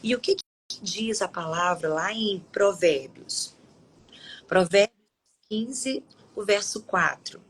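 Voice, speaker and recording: A woman's voice: mid-range voice, expressive, takes it slowly, pauses often, a little hiss or hum, rough recording. A woman hosting a Christian live stream, talking conversationally and reading scripture, often tagging her sentences with questions. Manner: conversational, with frequent tag questions and restarts. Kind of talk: devotional talk and scripture reading.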